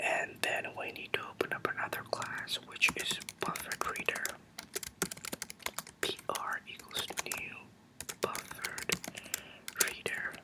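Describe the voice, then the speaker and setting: Whispering at a fairly slow pace, broken by long, frequent pauses, with noticeable background noise. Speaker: tech tutorial maker. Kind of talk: ASMR computer tutorial, soft-spoken talk to camera. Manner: soft-spoken.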